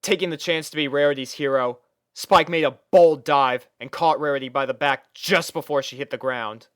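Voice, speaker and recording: A woman reading a scripted story aloud as an expressive narrator. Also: low-pitched, moderate pace, dry recording, clean studio sound. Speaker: fan fiction reader, narrator.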